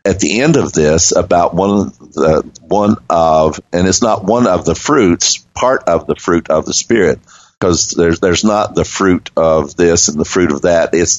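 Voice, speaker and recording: A man's voice: low-pitched, no echo, lo-fi sound. A man co-hosting a casual talk on faith, rambling and posing questions as he teaches. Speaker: co-host. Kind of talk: casual religious discussion.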